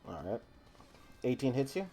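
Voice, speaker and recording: A man's voice: mid-range voice, big pitch swings, normal speed, over loud music. A man narrating a tabletop game as game master, rambling with many fillers.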